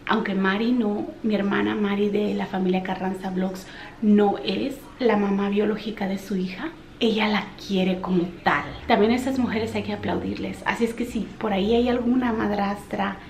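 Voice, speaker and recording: A woman's voice: mid-range voice, normal speed, gravelly. Chatty woman vlogger in an echoey room. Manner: animated, chatty, talks straight to viewers. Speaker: mom vlogger. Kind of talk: casual storytelling vlog. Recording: echoey room with faint noise.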